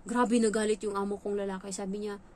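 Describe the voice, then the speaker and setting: A woman vlogging in a casual storytelling way about her work as a domestic helper, animated and quick to act out what others said. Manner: animated, acts out quoted lines in a higher voice. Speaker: domestic helper telling stories about her employers' child.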